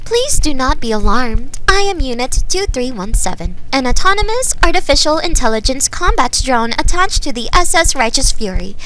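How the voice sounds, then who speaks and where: A calm, formal robot combat drone, put on by a woman reading a bedtime story. It speaks in a raised, precise tone. A faint hiss sits under the voice. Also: high voice, moderate pace, hardly any pauses, voice pushed up, full character voice, rough recording.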